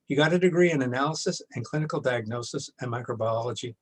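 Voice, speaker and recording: A man moderating a workshop on a video call, giving a measured, formal welcome and reading introductions of the speakers. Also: medium pitch. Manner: measured and formal, reads introductions with occasional restarts.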